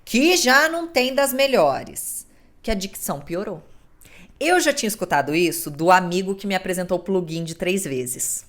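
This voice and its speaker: A woman in her thirties with a Brazilian accent, hosting a podcast in a casual, expressive monologue, swearing now and then and acting out the people she quotes. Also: fairly low pitch, normal speed. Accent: Brazilian Portuguese. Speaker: podcast host.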